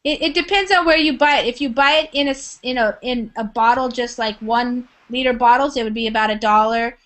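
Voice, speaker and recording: A woman running a relaxed online English lesson, her voice sitting a little higher than most. She keeps drawing students out with question after question and warm encouragement. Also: fairly quick. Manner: encouraging, asks many questions. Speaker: English teacher. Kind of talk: online group class.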